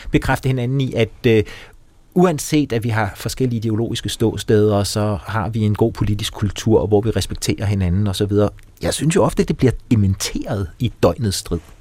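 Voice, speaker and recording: A man with a plain, everyday voice, lively intonation and a moderate pace, on a very clean recording with a silent background. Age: middle-aged. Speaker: radio host. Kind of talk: radio talk show interview.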